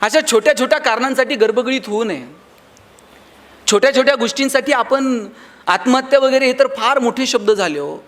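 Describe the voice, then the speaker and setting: A man's voice: very high-pitched, brisk, a bit bright. A man with a Marathi accent giving a motivational speech in a hall, telling stories and acting out dialogue in other voices. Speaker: motivational speaker.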